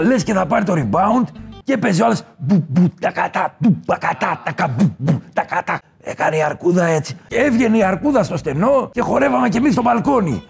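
A man playing a boastful, swaggering nightlife king in a comedy sketch interview, talking loud and brash with shouted punchlines. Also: high-pitched, gravelly. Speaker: comic guest character.

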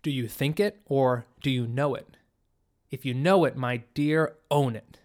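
A man reading the part of a gentle, accepting father in an audiobook, with a tender, reassuring manner. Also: mid-range voice, measured pace, natural voice. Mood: loving, relieved. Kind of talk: audiobook character dialogue.

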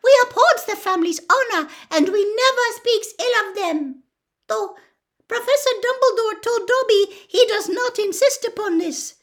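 A woman voicing a nervous, devoted male house-elf from a storybook, with a squeaky voice and servile third-person speech. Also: moderate pace. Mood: earnest, serious.

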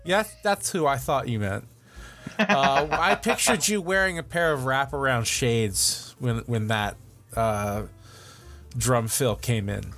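A man's voice: medium pitch, slow pace, fairly bright tone, soft background music. A man co-hosting a comedy podcast, trading dry, sarcastic comebacks in casual banter. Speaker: podcast co-host.

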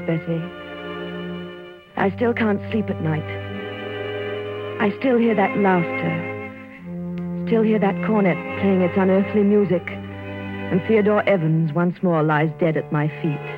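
A woman playing a frightened, pleading governess. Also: natural voice. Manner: breathless, pleading, shrill when scared. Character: prim frightened governess, young woman, nervous. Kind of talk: old radio drama acting. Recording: dull old radio recording with music.

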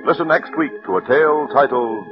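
A man's voice: mid-range voice, animated, fairly quick, loud music behind the voice. A male radio announcer reading closing credits in a formal, declamatory manner, heard on a dull 1940s radio broadcast. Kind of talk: scripted announcement.

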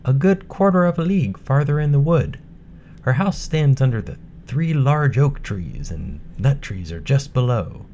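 A man's voice: medium pitch, expressive, unhurried, dark tone, slight background noise, pitched above the performer's own voice, lightly acted. A man reading a storybook aloud, voicing a trusting young girl in a raised, eager girlish voice. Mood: helpful.

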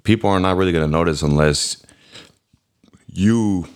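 A man's voice: deep voice, normal speed, clear, resonant tone. A man from Milwaukee, a musician, talking in a laid-back, slangy way in a casual interview. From Milwaukee, Wisconsin. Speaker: rapper and musician, guest.

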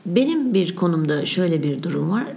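A young woman chatting casually as a podcast co-host, animated and ranting about everyday annoyances. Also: fairly low pitch, fairly quick, vocal fry. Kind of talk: casual chat.

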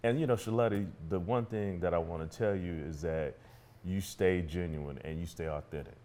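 A middle-aged African American man with a deep, low-set voice. He speaks conversationally as an interview guest, repeating phrases for emphasis as he earnestly encourages the listener. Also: moderate pace, warm tone. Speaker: podcast guest, entrepreneur and author.

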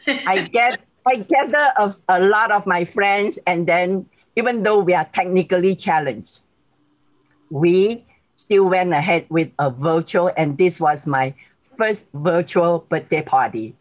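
A woman in her sixties speaks with a Malaysian accent over a video call. Her voice sits a little low, and her talk is warm and thankful, often broken by soft laughter. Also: a little slow, rough recording. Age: 60s. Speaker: guest speaker.

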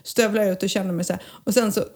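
A woman in her forties chatting as a podcast co-host, telling stories in a lively way and acting out the people in them. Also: mid-range voice. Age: 40s. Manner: lively storyteller who acts out voices. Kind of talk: casual podcast chat.

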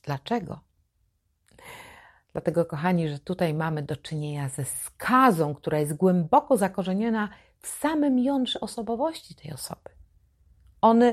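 Slow, emphatic low-voiced woman. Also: darkish tone. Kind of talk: advice monologue to viewers.

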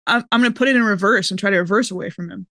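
A woman playing a tabletop roleplaying game, chatting casually and expressively as she thinks her moves out loud. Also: medium pitch, racing, dry recording, studio quality. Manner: expressive, exclaiming, thinks aloud.

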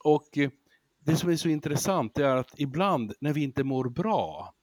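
A man who gives lectures, talking as a podcast guest in a casual, lively way, acting out examples and laughing easily. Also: on the high side, dry recording. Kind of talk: casual interview talk.

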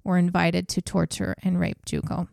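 A woman's voice: on the low side, little pitch movement, moderate pace, vocal fry, a little mellow, dry recording, clean studio sound. A woman co-hosting a podcast, telling a true crime case in a blunt, casual way with swearing. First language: English. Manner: blunt, swears, laughs at grim moments.

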